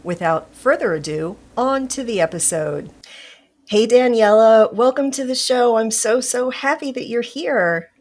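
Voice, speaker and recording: A woman's voice: fairly high pitch, measured pace, a little mellow. A woman hosting a podcast, chatting casually and upbeat, laughing often. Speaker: podcast host. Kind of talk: casual interview chat.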